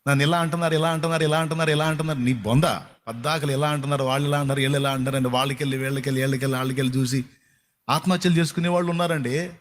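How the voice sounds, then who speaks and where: A man's voice: medium pitch, steady tone, racing, a little hiss or hum. A male pastor preaching a sermon in a colloquial, repetitive style, firing rhetorical questions at his congregation.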